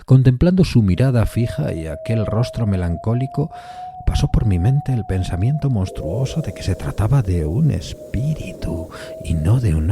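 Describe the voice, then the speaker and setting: An actor playing a courteous, uneasy gentleman who recounts an eerie encounter in formal, deliberate suspense narration. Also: deep voice, background noise. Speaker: narrator of an audio drama. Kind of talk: dramatized first-person suspense story narration.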